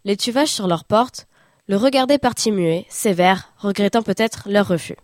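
Measured female audiobook narrator. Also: mid-range voice, darkish tone. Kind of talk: literary audiobook reading.

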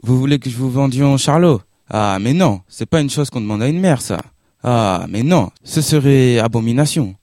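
A man reading a story aloud, voicing an angry, blunt farm wife who loudly refuses an offer in rustic speech. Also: medium pitch, animated, moderate pace, no echo, studio quality, close to an everyday voice. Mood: furious. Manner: loud, indignant rustic speech.

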